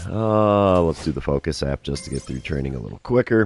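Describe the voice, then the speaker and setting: A man with a very deep, low pitch and lively intonation at a moderate pace, over noticeable background noise. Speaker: gaming streamer. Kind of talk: live gameplay commentary. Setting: live stream.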